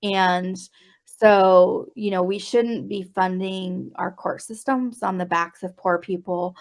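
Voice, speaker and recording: A woman's voice: mid-range voice, steady tone, slow. A woman advocate answering interview questions, explaining earnestly with many ums and you-knows. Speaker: advocacy group guest.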